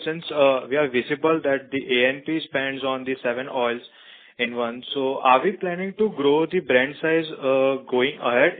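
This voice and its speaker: Deferential Indian analyst calling by phone. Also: male voice, medium pitch. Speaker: financial analyst caller. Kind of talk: polite unscripted business question. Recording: narrow tinny phone line.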